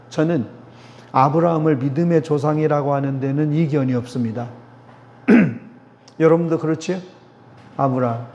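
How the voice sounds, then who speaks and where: A middle-aged man lectures like a preacher, slow and emphatic, often turning to his audience with questions. His voice sits fairly high but sounds mellow and dark. The recording is dull and lo-fi, with a long church-hall reverb and faint ambient noise. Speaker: theology professor. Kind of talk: lecture-sermon to a church gathering.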